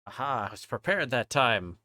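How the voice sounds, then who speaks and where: A man's voice: medium pitch, big pitch swings, moderate pace, bright, forceful tone, dry recording, studio quality. A man livestreaming a visual novel, switching between reading aloud and rambling, joking chat with viewers. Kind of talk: reading game text aloud mixed with casual stream chat.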